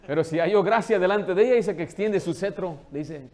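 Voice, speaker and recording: A man preaching a sermon as pastor, animated, asking the congregation questions and acting out the people he quotes. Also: high voice, fairly quick. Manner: acts out quoted dialogue in changed voices.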